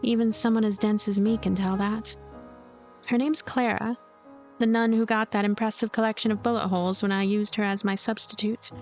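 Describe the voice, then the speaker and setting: A woman's voice: medium pitch, little pitch movement, normal speed, darkish tone, faint music behind, close to an everyday voice. A woman voicing a cynical, lonely girl who narrates her own visual novel story in a blunt, wry, calculating way. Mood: wry, puzzled. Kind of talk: first-person visual novel narration read aloud.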